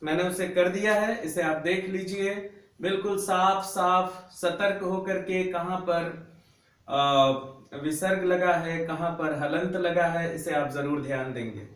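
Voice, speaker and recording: A man's voice: high voice, fairly even intonation, takes it slowly, a bit bright. A man teaching a class, patiently explaining grammar at a board and drawing out syllables so students can copy them. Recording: roomy echo, voice a bit far from the mic.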